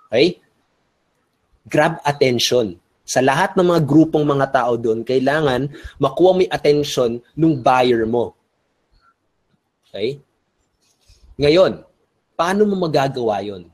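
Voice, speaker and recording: A Filipino man teaching an online business webinar, his voice at a middle pitch for a man. He talks with energy, mixes Tagalog and English, and keeps tossing rhetorical checks back at his listeners. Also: expressive, takes it slowly, pauses often, a little mellow. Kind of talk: webinar lecture.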